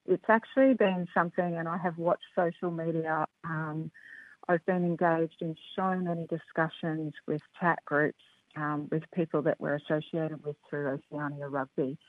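An Australian woman speaking as an interview guest, upbeat and enthusiastic, often starting with "look" and filling pauses with "um". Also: fairly low pitch, dry recording. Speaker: rugby development representative. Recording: tinny phone line.

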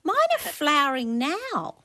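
A woman's voice: high-pitched, very animated, measured pace, bright, forceful tone. An Australian woman on talkback radio, giving practical advice in a chatty, colloquial way as the resident expert. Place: radio studio.

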